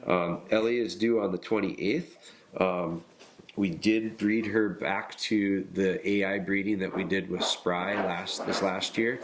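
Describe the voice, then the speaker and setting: Deep nasal guy with a cold, casual podcast host, stops and restarts a lot. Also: background noise. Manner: halting, frequent "um" pauses and restarts. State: congested from illness.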